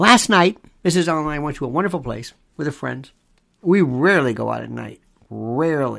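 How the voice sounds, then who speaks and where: A man's fairly high voice with vocal fry, lively intonation, big jumps in loudness and a fairly quick pace. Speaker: online talk show host. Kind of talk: solo monologue, casual. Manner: rambling, halting with restarts.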